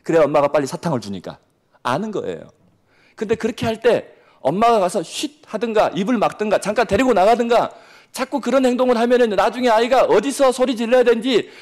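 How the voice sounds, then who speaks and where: A man in his forties from Jeolla, preaching a sermon as pastor with lively storytelling that swings between loud and hushed. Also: sits high. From Jeolla, South Korea.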